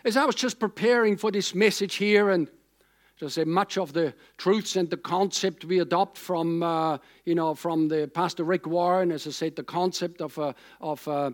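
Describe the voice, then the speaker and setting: Male pastor, 60s, fairly high voice; conversational sermon delivery that rambles and repeats for emphasis. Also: steady tone, normal speed. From Austria. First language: German.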